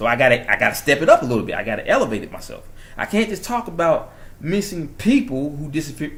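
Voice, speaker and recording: Speaking very fast with an American accent, a man keeps an animated tone and lively intonation. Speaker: YouTube mystery channel host. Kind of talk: casual monologue to camera. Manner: animated, hyped up.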